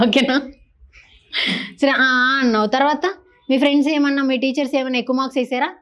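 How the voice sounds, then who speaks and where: A woman's voice: sits high, fairly even intonation, moderate pace, fairly bright tone. Playful woman interviewing children. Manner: playful, teasing, chatty with kids. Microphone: handheld mic.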